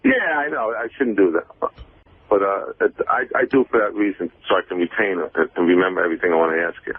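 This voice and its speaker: A man's voice: deep voice, quick pace, slightly rough. A man calling in to a radio show, arguing casually in a defensive, insistent way. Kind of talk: casual argumentative chat. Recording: tinny phone line with noise.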